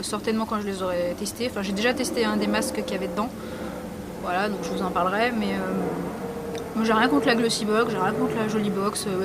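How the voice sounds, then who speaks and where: A woman's voice: medium pitch, very noisy. A young woman vlogger talking casually and bluntly, sarcastic and frank, with lots of fillers. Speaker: beauty vlogger. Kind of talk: casual vlog answering a question tag.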